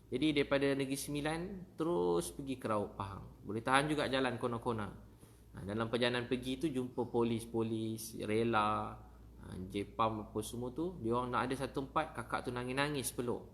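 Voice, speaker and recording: Male preacher with a Malaysian Malay accent, mid-pitched, chatty anecdotal Ramadan talk, light noise under the voice. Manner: warm storytelling, repeats phrases.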